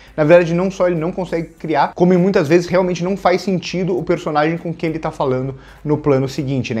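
A man talks at a fairly quick pace. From Brazil. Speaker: film critic. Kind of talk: film review monologue. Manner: conversational, unscripted. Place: home room.

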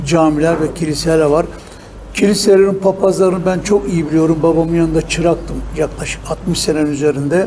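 Over light background noise, a man speaks at a high pitch and a fairly quick pace. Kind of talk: interview answer. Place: cafe.

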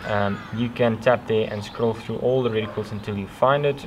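Noticeable background noise sits behind the speaker. He is a man with a fairly low pitch and fairly even intonation. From South Africa. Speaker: airgun YouTuber. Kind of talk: tutorial. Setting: outdoors. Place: garden.

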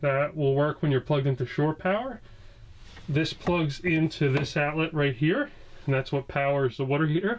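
Pitch varies in an ordinary way as a man talks at a moderate speed. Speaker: van tour host. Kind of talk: tour commentary. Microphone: phone near.

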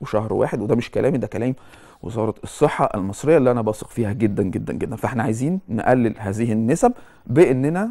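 This man talks fairly quickly, with ordinary pitch variation, against a quiet background. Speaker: TV show host. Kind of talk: televised monologue to viewers. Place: studio.

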